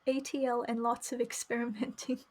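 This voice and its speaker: High-voiced woman streaming a visual novel. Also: level tone, fairly quick, husky. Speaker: game streamer. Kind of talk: live read-aloud narration with casual commentary. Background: faint music.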